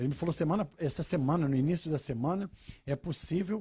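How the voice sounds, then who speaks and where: A man with a fairly high pitch, ordinary pitch variation and a dark, mellow tone, at a fairly quick pace. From Brazil (from age nine). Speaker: pastor. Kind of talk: church welcome.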